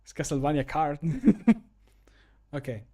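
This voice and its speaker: A man in his thirties with a fairly high voice chats casually as a streamer at home. His manner is joking and self-deprecating, with loose swearing. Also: expressive, slow, mellow. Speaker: streamer recording mod voice lines. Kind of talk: casual livestream chat. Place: indoor home room.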